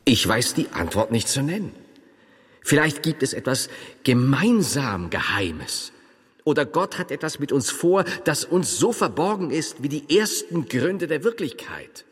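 A man playing a devout, self-assured medieval monk and philosopher in a theatrical drama, declaiming deliberately with scholarly emphasis. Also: fairly high pitch, big pitch swings, husky, big-room sound, exaggerated voice. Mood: solemn, pondering. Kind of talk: theatrical German dialogue drama.

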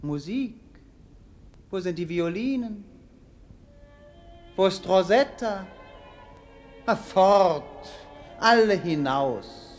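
An actor playing a bored, melancholy young prince in a classic radio play, speaking in a dreamy, languorous, theatrical way. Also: male voice, sits high, animated, extremely slow, long pauses, soft background music, exaggerated voice. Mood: imperious, restless.

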